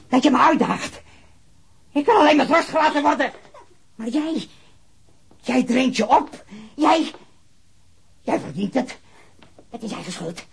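An actor playing a disturbed, self-righteous male murder suspect full of loathing in a radio crime drama, speaking in a halting, repetitive way with a husky, breathy voice. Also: very high-pitched, full character voice.

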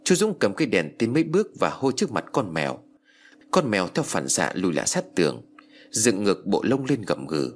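A man narrating a ghost story in a dramatic, expressive style. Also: fairly low pitch, brisk, slight background noise.

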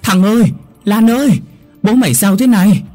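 A man's voice: normal speed, darkish tone, slightly rough, faint music behind. A man voicing a frightened, nagging old village wife who scolds her husband, in a spoken ghost story. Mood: alarmed. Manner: scolding, shrill calling out.

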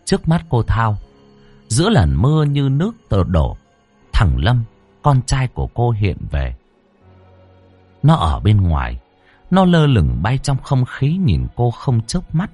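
A man reading a ghost story aloud as a storyteller, with a dramatic, expressive delivery. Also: medium pitch, unhurried, pauses often. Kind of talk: scripted horror narration. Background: faint music.

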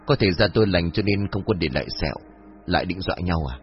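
A man's voice: low-pitched, fast talker, slight background noise, close to an everyday voice. A man voicing a frightened, superstitious young village man who stammers when scared. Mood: agitated. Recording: dull lo-fi audio with faint music.

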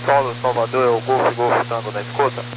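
A man's voice: mid-range voice, steady tone, quick pace. A man making brief pilot calls over a crackly aviation radio. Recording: noisy humming aircraft radio.

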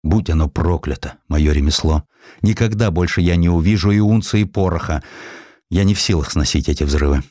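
A man's voice: deep voice, a little fast, dark tone, dry recording, clean studio sound. A man voicing an ambitious, imperious old industrialist father, bitter and grandiose, in an audiobook story. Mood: bitter, scornful.

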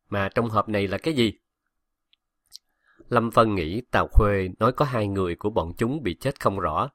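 Low-voiced man narrating a novel. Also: no room sound, clean studio sound. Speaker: audiobook narrator. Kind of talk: scripted narration of a web novel.

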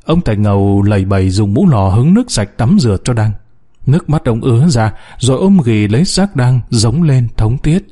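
Brief: male storyteller, dramatic audiobook delivery, warm and animated. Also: mid-range voice, normal speed, husky. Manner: dramatic, expressive. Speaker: narrator.

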